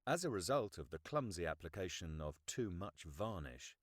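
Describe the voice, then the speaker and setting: A middle-aged man reading a nonfiction audiobook in a measured, articulate, formal manner. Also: sits low, sing-song, no room sound, studio quality. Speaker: audiobook narrator. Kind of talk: scripted nonfiction audiobook narration.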